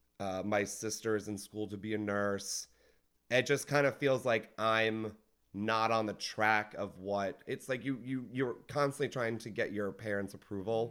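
With an American accent and a plain, everyday voice, a man speaks at a fairly slow pace and fairly low pitch, his intonation fairly even, on a very clean recording with a silent background. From Long Island, New York. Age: 30s. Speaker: fitness instructor. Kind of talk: casual chat.

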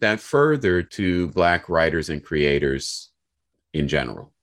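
On a very clean recording with a silent background and a dry, close sound with no echo, a man with an American accent speaks at a fairly slow pace with ordinary pitch variation. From US Midwest (Cleveland, Ohio). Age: 50s. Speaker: poet and university professor. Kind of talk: casual interview chat.

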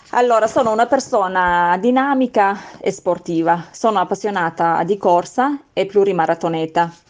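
At a moderate pace, a woman with a Slovenian accent speaks at medium pitch, with ordinary pitch variation and very even loudness. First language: Slovenian (speaking Italian). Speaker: marathon runner and mother. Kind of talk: radio interview monologue.

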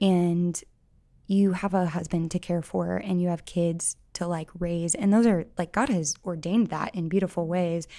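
A woman speaks with an American accent at a moderate pace, her pitch fairly low. Her tone is dark and mellow, and her intonation stays fairly even. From US Midwest, St. Louis. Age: 30s. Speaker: college ministry director. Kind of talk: podcast interview.

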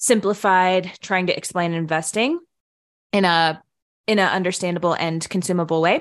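A woman's plain, everyday voice, fairly low in pitch, with fairly even intonation, a fairly quick pace and a quiet background. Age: 20s. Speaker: podcast co-host, entrepreneur. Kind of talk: casual chat.

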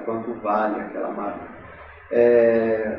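A man speaks at a medium pitch. There is audible room echo and noticeable background noise. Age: 30s. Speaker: marketing executive. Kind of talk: interview.

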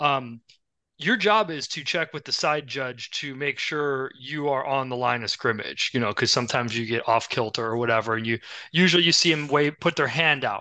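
This man has a bright, sharp tone and an American accent. He moves at a moderate pace. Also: medium pitch for a man, ordinary pitch variation, quiet background. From Chicago. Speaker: football podcast co-host. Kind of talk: casual chat.

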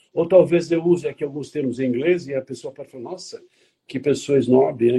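Speaking at a very fast pace with fairly even intonation, a man has a fairly high pitch and a somewhat breathy voice with a dark, mellow tone. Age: 50s. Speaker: communication coach. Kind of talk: interview.

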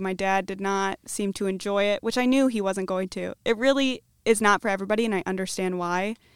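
In a very clean recording with a silent background, a woman with a Midwestern accent speaks very fast at medium pitch with fairly even intonation. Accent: general American, Midwestern. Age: 20s. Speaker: guest working in theatre promotion. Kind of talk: casual chat.

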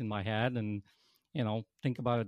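With a Polish accent, a man speaks in a medium pitch on a very clean recording with a silent background and a dry, close sound with no echo. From Poland. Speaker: transformational speaker and coach. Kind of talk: podcast interview.

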